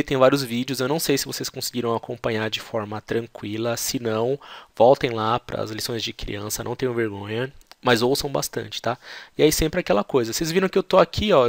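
A man's voice: mid-range voice, vocal fry, no echo. A Brazilian Portuguese-accented man talking into a headset mic, explaining study tips step by step in a chatty, upbeat teaching vlog. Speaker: English-learning vlogger. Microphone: headset microphone.

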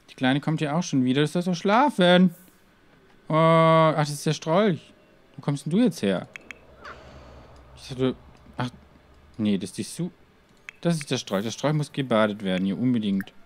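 A man's voice: medium pitch, slight background noise. A man hosting a let's play, talking casually to his game characters with muttered asides and frequent exclamations. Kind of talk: gaming commentary.

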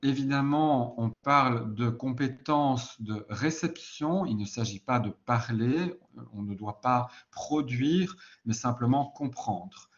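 A Belgian man with a Belgian French accent presents at a conference, his pitch sitting in an ordinary middle range. He explains patiently and often pauses on "euh" or restarts a phrase. The sound is a little dull and lo-fi. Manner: explanatory, frequent "euh" hesitations and self-corrections. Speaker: university lecturer presenting a textbook.

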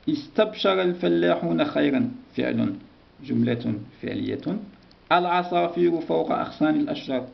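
A man teaching a grammar lesson to young pupils, slow and repetitive, often praising the class. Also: fairly high pitch, vocal fry, highs cut off.

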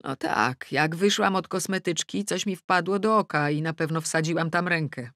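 This is first-person audiobook narration of a comic novel by a middle-aged woman whose voice sits on the low side and sounds a bit bright. She reads at a normal pace, mocking herself wryly, muttering sulkily at times and exclaiming at others, in studio-quality audio with no room sound.

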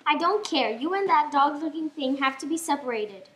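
A woman's voice: high-pitched, expressive, moderate pace, a bit bright. A young woman playing a nagging, jealous wife in an amateur puppet show. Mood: cheery, nagging. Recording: clear background noise.

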